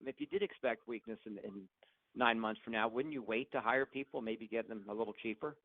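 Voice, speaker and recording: A man's voice: on the low side, a little fast, dry recording. A man questioning executives as an analyst on an earnings call, blunt and pressing in a conversational way. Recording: dull, dry conference phone audio.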